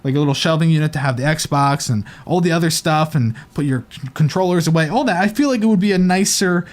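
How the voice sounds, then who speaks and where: A man's voice: on the high side, fast talker. Chatty man with a slight lisp. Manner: chatty, hesitant, lots of ums. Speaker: show host. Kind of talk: casual chat reviewing setups.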